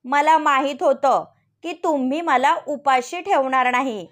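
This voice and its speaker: A bold, cheeky college girl, as a woman reads her sits high in pitch. Her lines come out slow and breezy, playful rather than rushed.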